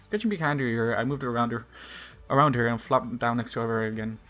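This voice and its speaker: A man's voice: medium pitch, a little fast, fairly bright tone, faint music behind. A man reading fan fiction aloud with casual asides, informal and sometimes stumbling over his words. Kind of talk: story narration with casual asides.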